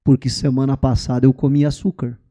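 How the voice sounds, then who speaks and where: A pastor voicing a calm, famous old sage who answers in short, plain sentences. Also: male voice, mid-range voice, a little fast, natural voice.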